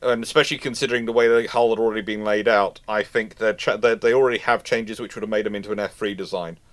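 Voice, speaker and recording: A man's voice: fairly low pitch, fairly even intonation, fast talker. British man fielding questions on a livestream. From United Kingdom. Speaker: host of a live naval history question-and-answer stream. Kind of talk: informal expert commentary answering viewer questions.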